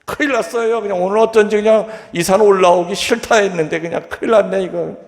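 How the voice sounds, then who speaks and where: Panicky church elder yelling for help, high and gravelly, a priest doing the voice. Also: male voice, animated, moderate pace. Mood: panicked pleading. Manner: frantic, pleading, shouting. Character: panicked middle-aged male church council president. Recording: long reverb of a large hall.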